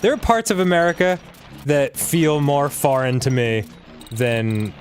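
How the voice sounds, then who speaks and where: A man's voice: a little high, a little slow, soft background music. A man co-hosting a casual let's-play, talking in a laid-back, rambling way and laughing easily. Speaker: co-host.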